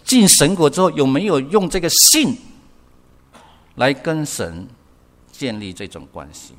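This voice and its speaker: A man's voice: a little high, expressive, a little slow, big-room sound. An older man preaching a sermon, often asking the congregation questions and repeating words for emphasis. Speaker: pastor.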